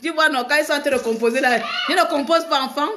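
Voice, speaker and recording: High-voiced laughing woman streaming live. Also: quick pace, background noise. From Gabon. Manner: laughs often, teasing and animated. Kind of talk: casual live stream chat.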